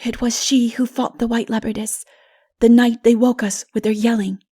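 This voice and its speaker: A woman voicing an earnest, innocent, frightened little boy in a dramatic storybook reading, with halting, childlike delivery. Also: on the high side, flat delivery, mellow, slightly rough. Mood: wary insistence. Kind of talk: dramatic audiobook character reading.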